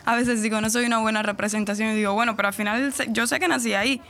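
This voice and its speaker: A woman's voice: on the high side, steady tone, quick pace, a bit bright. A woman from Cuba with a central-eastern Cuban accent, a radio presenter chatting at length as a guest in a casual radio interview. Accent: Cuban, central-eastern, from Camagüey. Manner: chatty, explains at length, laughs easily.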